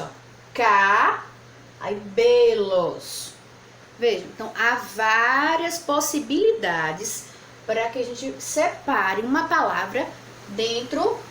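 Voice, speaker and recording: A woman's voice: on the high side, fairly bright tone. A woman teaching a lesson at a board, patiently spelling out words syllable by syllable. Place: room with whiteboard. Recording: echoey room, faint background noise.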